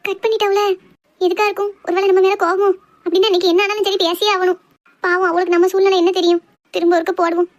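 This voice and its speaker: A woman's voice: very high voice, little pitch movement, fast talker. A woman playing a sweet, easily wounded young girl in love in a cartoon drama, with a southern Tamil Nadu accent. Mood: anxious.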